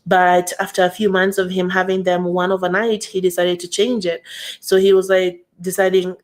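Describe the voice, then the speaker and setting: A woman with a lowish, flat voice recounts her situation to the camera. She speaks in a steady, explanatory way, as a mother telling her side of things. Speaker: mother in a played video clip. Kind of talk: personal account told to camera.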